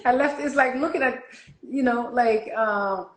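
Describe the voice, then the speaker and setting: A woman talking in a relaxed, reflective way, often trailing off softly. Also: fairly high pitch, measured pace, roomy sound, low-quality recording. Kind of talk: casual conversation.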